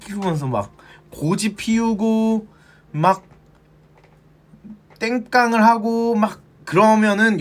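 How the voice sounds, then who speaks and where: A man casually retelling a Bible story on a livestream, acting out the characters and chatting with his viewers. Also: on the high side. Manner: animated, acts out the characters, chats with viewers. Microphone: phone for a social media livestream.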